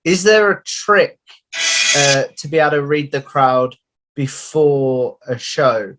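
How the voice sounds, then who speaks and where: A man's voice: on the high side, takes it slowly, over music, rough recording. A young man hosting a podcast, asking questions in a chatty, friendly way with "like" fillers, speaking through a headset on a video call. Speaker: podcast host. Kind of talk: casual interview chat. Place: home room.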